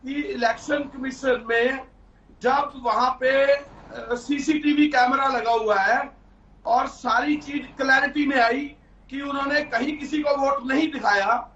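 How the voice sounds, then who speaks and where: A man's voice: extremely high pitch, steady tone, a little slow, bright, forceful tone, slight background noise. A man making an insistent, accusing statement in a heated debate, his voice carrying a heavy cave-like echo over a remote line. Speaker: political panelist. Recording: echoey distant dull remote line.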